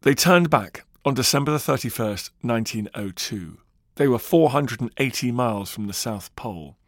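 A man's voice: medium pitch, animated, moderate pace, no room sound, clean studio sound. A man narrating a scripted history documentary with dramatic, varied emphasis.

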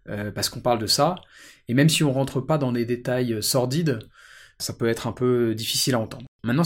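Male podcast host, French accent, mid-pitched voice, presenting and interviewing.

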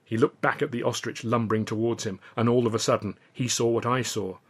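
A man's voice: mid-range voice, fairly even intonation, a little fast, breathy edge. A man reading scripted first-person audiobook narration of a novel. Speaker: author reading own novel.

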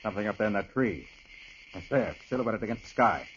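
An actor playing a calm, confident male detective in a 1940s radio drama, explaining clues in an assured manner. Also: fairly low pitch, fairly quick, noisy background, natural voice. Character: cool-headed male detective, middle-aged, confident. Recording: muffled old radio broadcast.

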